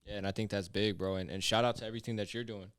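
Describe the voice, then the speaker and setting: Upbeat young Latino man, smooth voice. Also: fairly low pitch, fairly even intonation, very fast, a bit bright, no room sound, studio quality. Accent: Latino American English. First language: Spanish. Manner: upbeat, hyping up his guest, slangy. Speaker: podcast host. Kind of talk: casual podcast chat.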